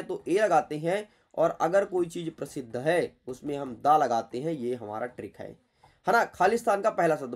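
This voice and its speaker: A male teacher works through an exam paper in a lesson. His voice sits on the higher side, and he talks in a blunt, chatty way, scolding his students as he goes.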